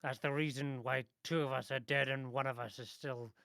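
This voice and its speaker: Guy doing a gruff old fisherman for a tabletop rpg, salty sailor talk, sharp voice, super dry sound. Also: medium pitch, fairly even intonation, fairly quick, dry recording. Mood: mournful, regretful. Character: gruff old fisherman, male, sentimental, haunted by lost crew. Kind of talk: improvised tabletop role-play.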